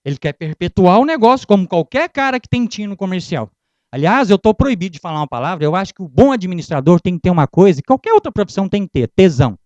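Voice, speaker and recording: Lively high-voiced man telling stories. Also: fast, no echo. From Brazil. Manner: animated storyteller who acts out dialogues. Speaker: guest lecturer. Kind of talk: humorous motivational lecture. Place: lecture hall. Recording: dull lo-fi dry lecture recording.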